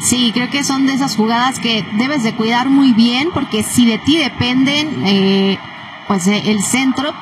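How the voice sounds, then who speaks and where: A woman's voice: on the high side, background noise. A woman doing live soccer commentary mixed with casual chat. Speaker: sports play-by-play commentator.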